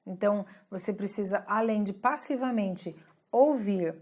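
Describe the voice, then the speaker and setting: A woman's voice: mid-range voice, unhurried, a little mellow. A woman in her thirties from Brazil teaches an English lesson in a friendly, explanatory way. She keeps checking that the viewers are following along.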